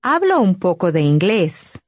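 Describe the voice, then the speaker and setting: Woman saying phrases slowly and clearly. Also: fairly low pitch, very animated, no room sound, studio quality. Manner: says phrases slowly and distinctly for learners to copy. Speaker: model speaker in a language course. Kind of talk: slow, careful phrase repetition.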